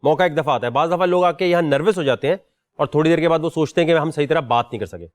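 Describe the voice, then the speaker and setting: A man's voice: a little high, no room sound. A man hosting a talent show audition, questioning a contestant in a teasing, pointed way. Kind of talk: probing audition interview.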